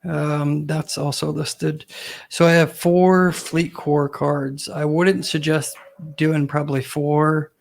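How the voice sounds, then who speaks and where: A man hosting his own channel, talking casually to viewers with a hoarse voice from a cold, full of ums and uhs. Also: a little high, little pitch movement, slow pace. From Ohio, US. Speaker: host.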